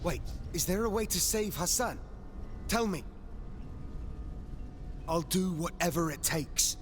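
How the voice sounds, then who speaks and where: Animated, earnest young warrior. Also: male voice, high-pitched, takes it slowly, soft background music. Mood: urgent, pleading. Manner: urgent, emotional. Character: earnest, determined young male warrior hero. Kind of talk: video game character acting.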